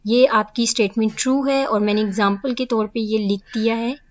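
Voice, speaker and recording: A woman teacher with a Pakistani accent leading an exam revision lesson. She reads each question slowly, then explains it patiently. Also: on the high side, steady tone. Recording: dull lo-fi recording, dry.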